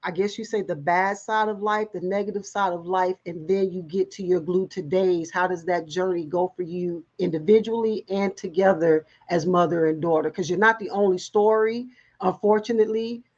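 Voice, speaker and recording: A woman's voice: fairly low pitch, moderate pace, a little mellow, muffled recording. A woman hosting an interview, asking encouraging questions and often restarting her sentences. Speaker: talk show host. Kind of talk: interview in recovery show.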